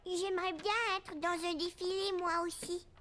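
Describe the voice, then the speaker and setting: Very high-voiced curious little boy played by a woman. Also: level tone, moderate pace, a bit bright, a little hiss or hum. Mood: wondering. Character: curious, eager four-year-old boy. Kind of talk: children's cartoon dubbing. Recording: music behind the voice.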